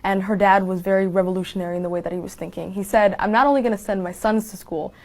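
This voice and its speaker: A woman's voice: medium pitch, fairly even intonation, quick pace, a little mellow, slight background noise. An eighteen-year-old woman with an American accent talking in an interview as a student. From Minnesota, United States. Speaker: high school student being interviewed. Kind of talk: spontaneous interview.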